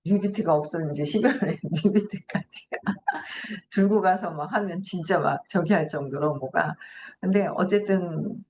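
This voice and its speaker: A middle-aged woman with a slightly low voice reads from a book and then talks it over. She muses aloud, poses questions to herself and laughs easily. A faint hiss sits under her voice. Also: moderate pace, a little mellow. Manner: chatty, musing, laughs often, asks herself questions. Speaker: host. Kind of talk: reading aloud and reflective commentary.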